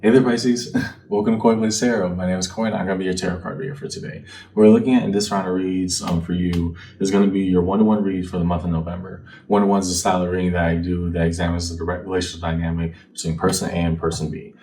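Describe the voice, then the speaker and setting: Deep-voiced man reading tarot, slightly distant. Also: little pitch movement, fast, warm tone. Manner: conversational, checks in with "right?". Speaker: tarot card reader. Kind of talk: casual fortune-teller card reading to viewer. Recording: distant mic, faint background noise.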